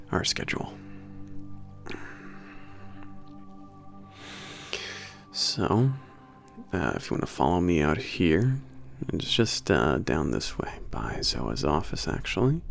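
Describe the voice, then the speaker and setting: A man playing a teasing werewolf trainer with a bit of an attitude in an ASMR roleplay, gravelly, casual and hesitant in his banter. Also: low-pitched, full character voice. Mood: casually helpful. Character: teasing, gruff-edged male werewolf trainer at a spaceport. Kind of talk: ASMR roleplay, naturalistic one-sided conversation.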